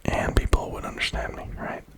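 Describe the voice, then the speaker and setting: An ASMR creator, rambling casually in a breathy, unvoiced whisper with a musing, playful manner. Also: brisk. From America.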